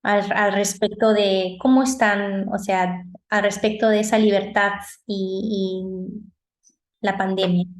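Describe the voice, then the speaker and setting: A woman with a Peruvian accent interviewing a guest, speaking in a gentle, reflective way and searching for words. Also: mid-range voice, level tone, slow pace. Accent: Peruvian Spanish. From Peru. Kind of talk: conversational interview. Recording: roomy echoey sound.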